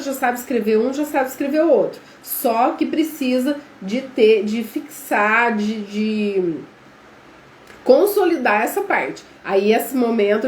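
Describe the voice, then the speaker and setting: A Brazilian woman teaching a live online class, chatty and quizzing her viewers. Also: fairly high pitch. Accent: Brazilian Portuguese. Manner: chatty, addresses viewers as gente, quizzes them. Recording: echoey room with faint background noise.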